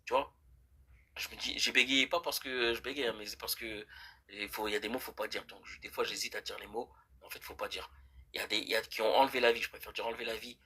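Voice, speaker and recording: Man, rapid-fire talk, raspy husky voice, heated live-stream rant. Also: lowish voice. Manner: animated, argumentative, many restarts.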